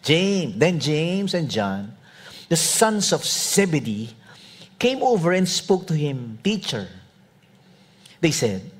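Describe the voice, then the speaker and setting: A male pastor preaching a sermon with humorous storytelling, often dropping to soft asides. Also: a little high, sing-song, slow, slightly rough.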